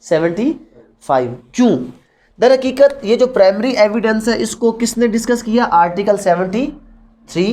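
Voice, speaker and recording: A woman's voice: medium pitch, darkish tone. A woman with a Pakistani accent lecturing as a law teacher, posing questions and answering them herself, mixing Urdu with English terms. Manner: didactic, asks questions then answers them.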